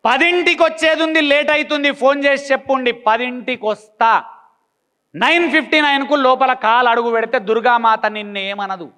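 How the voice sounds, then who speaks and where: A man's voice: very high voice, fairly even intonation, normal speed, pushed and bright, clear, resonant tone. A man giving a blunt motivational talk, full of repeated rhetorical questions. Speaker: motivational speaker.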